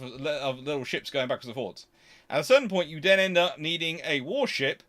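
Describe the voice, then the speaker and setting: A man with a fairly high, fairly bright voice hosts an unscripted question-and-answer talk. Answering audience questions, he speaks discursively, working through his thoughts aloud.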